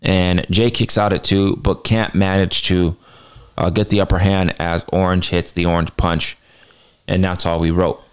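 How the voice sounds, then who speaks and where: A man with a low, smooth voice hosts a wrestling review. He gives commentary in a casual, conversational way, walking through the action and adding his own opinions. His delivery is clean and resonant. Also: level tone, a little slow. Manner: conversational match-by-match recapping with personal opinions. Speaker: wrestling show reviewer and host.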